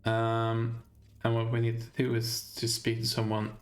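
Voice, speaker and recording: A man's voice: medium pitch, monotone, a little slow, faint music behind. A man with a Swedish accent giving gameplay commentary, thinking aloud as he finds his way through a game. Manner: thinking aloud while navigating, hesitant. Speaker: let's play host.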